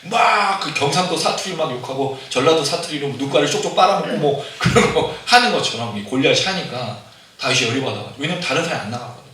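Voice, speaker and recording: A man preaches in a lively, conversational way, often turning to the congregation with questions. His fairly high, bright voice swings widely in pitch. The sound is very echoey, picked up by a microphone set at some distance. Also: quick pace. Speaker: pastor. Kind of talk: sermon. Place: church sanctuary. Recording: very echoey hall, mic at a distance.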